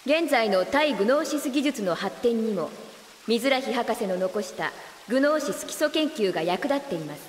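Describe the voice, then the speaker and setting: Actress as formal, deadpan female android, fairly high. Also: normal speed, a little hiss or hum, close to an everyday voice. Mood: calm, dutiful. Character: composed female android, logical, formal and emotionless. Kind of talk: Japanese audio drama acting.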